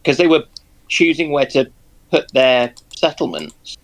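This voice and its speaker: A man chatting casually as a co-host on a live stream over a video call, speaking slowly with many pauses and ums. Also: on the high side, sing-song. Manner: hesitant, measured, lots of ums. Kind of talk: casual chat.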